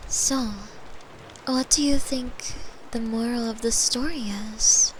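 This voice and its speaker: A woman playing a caring, playful girlfriend in a soft, tender, breathy bedtime ASMR roleplay. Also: a little high, steady tone, slight background noise, low-quality recording. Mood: gently teasing. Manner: soft, slow, tender, often breathy and whispering. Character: caring, playful girlfriend soothing her partner to sleep.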